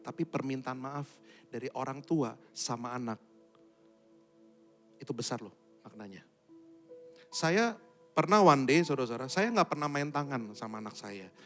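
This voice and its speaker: A man preaching a Sunday church sermon, telling stories to the congregation and swinging between quiet asides and loud, emphatic bursts. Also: medium pitch. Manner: keeps addressing the congregation directly. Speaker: pastor. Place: church service.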